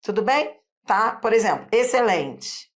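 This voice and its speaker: A woman's voice: fairly low pitch, lively intonation, slow pace. A woman teacher with a Carioca accent from Rio, patiently explaining a phonetics lesson step by step. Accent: Carioca Brazilian Portuguese. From Rio de Janeiro. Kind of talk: online phonetics lesson at a board.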